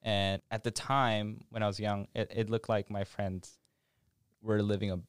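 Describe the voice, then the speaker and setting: Deep-voiced young man, reflective talk. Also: unhurried, clear, resonant tone, no room sound, clean studio sound. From Korea. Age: 20s. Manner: relaxed, reflective, with hesitations and laughs. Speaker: podcast co-host. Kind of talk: casual conversational podcast.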